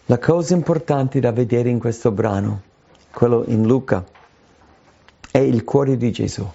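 A man preaching a sermon in an earnest, emphatic way, slowing down to stress key phrases. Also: medium pitch, creaky, mellow. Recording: dull lo-fi sound.

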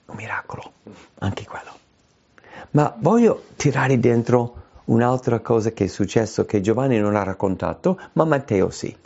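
A man delivers a sermon with a gravelly, mellow voice. His pitch swoops widely, jumping high when he acts out quoted cries. The recording is dull and lo-fi. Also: normal speed, hardly any pauses. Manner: animated preaching, voice leaping high when quoting cries. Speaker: preacher.

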